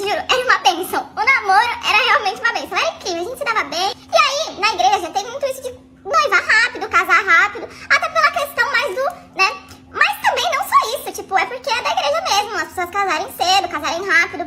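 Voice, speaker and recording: A young woman telling a story in a casual, gossipy way, with laughing asides. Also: very high voice. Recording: loud background noise.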